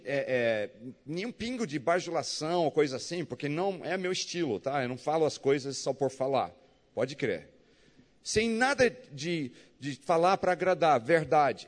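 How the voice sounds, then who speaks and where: Animated male preacher in a reverberant church. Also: a little high. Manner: animated storytelling, acting out dialogue. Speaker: guest preacher. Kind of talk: sermon.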